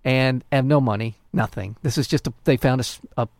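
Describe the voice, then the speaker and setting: A man talks casually as a radio co-host. His voice is medium in pitch and recorded dry. He often repeats himself and breaks off mid-phrase while explaining. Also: fairly quick, darkish tone, no room sound. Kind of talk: casual chat and anecdote.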